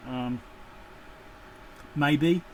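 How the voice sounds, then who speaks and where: A man's voice: on the high side, drawn-out words, slight background noise, low-quality recording. A man giving an off-the-cuff, casual running commentary as he does hands-on work, with muttered asides. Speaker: electronics repair channel host. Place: indoor electronics workbench.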